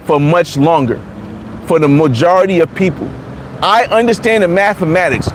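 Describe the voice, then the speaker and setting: Man in his 40s, high voice, blunt, restarts often, casual chat, faint traffic noise outdoors. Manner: blunt, repetitive, many restarts. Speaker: vlogger. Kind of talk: casual livestream chat reading comments.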